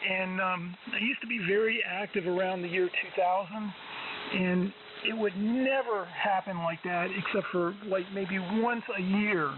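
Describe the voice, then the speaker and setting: Male ham radio operator, high voice, hesitant casual chat, noisy static. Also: fairly even intonation, measured pace. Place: amateur radio transmission on 40 meters. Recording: tinny narrow-band shortwave radio, noisy static.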